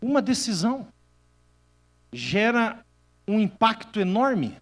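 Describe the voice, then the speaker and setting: Brazilian pastor preaching in a reverberant hall. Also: male voice, high-pitched, slow. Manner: animated storytelling, swinging between loud bursts and hushed asides. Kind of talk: sermon. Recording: long reverb of a church hall.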